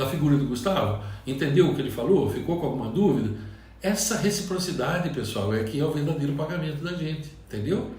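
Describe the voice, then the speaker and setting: Delivery is fairly quick with lively intonation. Both audible room echo and noticeable background noise are present. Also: man. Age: 50s. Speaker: business coach YouTuber. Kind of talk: casual chat. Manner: fast.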